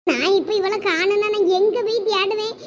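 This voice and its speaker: A woman's voice: extremely high pitch, moderate pace, very noisy. A woman with a Thoothukudi Tamil accent voicing a distraught middle-aged village mother who wails and cries out to God in a cartoon. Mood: wailing. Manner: wailing lament, calls on God.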